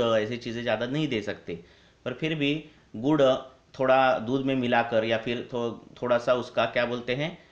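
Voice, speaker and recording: Male Ayurvedic doctor fielding questions, mid-pitched and measured, halting now and then; heavy echo, muffled call audio. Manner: measured, explaining with frequent hesitations. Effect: echoey call audio. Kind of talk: explanatory Q&A on a call. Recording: dull echoey online call audio.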